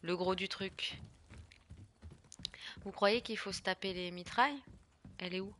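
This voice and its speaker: A young French woman streaming a horror game, chatting casually and swearing in loud bursts, with a stuffy nose from being sick. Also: medium pitch, measured pace, slight background noise. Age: 20s. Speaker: gaming streamer. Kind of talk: casual let's play commentary.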